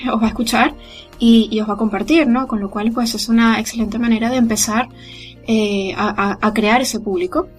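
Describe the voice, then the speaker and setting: Woman w/ a higher voice, lots of ums, chatty recorded message, faint music under it. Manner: warm, hesitant, many fillers. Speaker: podcast group organizer.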